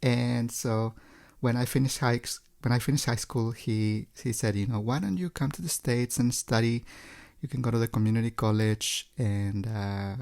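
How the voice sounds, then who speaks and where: A man with a Mexican Spanish accent speaks in a medium-pitched voice as an interview guest. He is polite and talkative, often restarting and repeating words as his thoughts run ahead. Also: fairly even intonation, normal speed, gravelly, a little mellow. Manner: polite, chatty, frequent repeats. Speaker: podcast guest. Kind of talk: casual interview.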